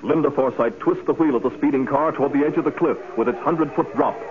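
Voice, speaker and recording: A man's voice: mid-range voice, fast talker. A man announcing and narrating dramatically in the scripted style of 1940s radio. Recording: very noisy, muffled 1940s radio recording.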